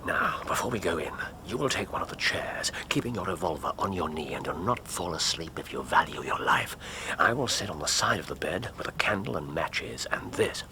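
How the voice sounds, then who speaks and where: An actor playing a sharp, intense Victorian detective who gives clipped, urgent commands. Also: male voice, deep voice, animated, fairly quick. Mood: instructing. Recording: noisy background hiss.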